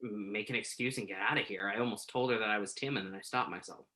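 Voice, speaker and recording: Man playing a hesitant, bright-voiced journalist. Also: on the low side. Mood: uneasy, conflicted. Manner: hesitant, halting. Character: Tuck, conflicted entertainment journalist man hiding his identity. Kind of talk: virtual staged play reading, naturalistic dialogue.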